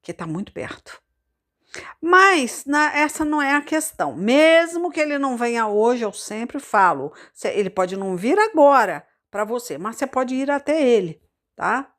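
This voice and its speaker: A woman preacher with a Carioca accent tells her own testimony in a loose, talkative sermon. Her voice sits a little high, and she keeps repeating words and checking in with her listeners as she goes. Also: sing-song, moderate pace, a bit bright. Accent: Carioca Brazilian Portuguese. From Rio de Janeiro, Brazil. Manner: conversational, repeats words, many fillers and asides to the congregation. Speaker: missionary preacher. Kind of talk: informal sermon with personal testimony.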